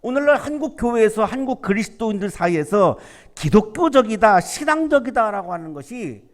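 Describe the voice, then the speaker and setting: A man's voice: high voice, big pitch swings, a little fast. A man preaching a sermon as pastor, talking conversationally and asking rhetorical questions. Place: university church sanctuary. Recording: church hall reverb.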